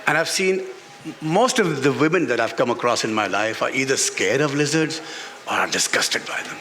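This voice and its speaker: A Pakistani-accented man speaking off the cuff as an author at a book talk, halting and repeating phrases for emphasis. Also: mid-range voice, animated, bright, forceful tone. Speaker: author and playwright being interviewed. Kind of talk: unscripted talk on stage at a book event. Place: festival stage before an audience. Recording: hall reverb, faint background noise.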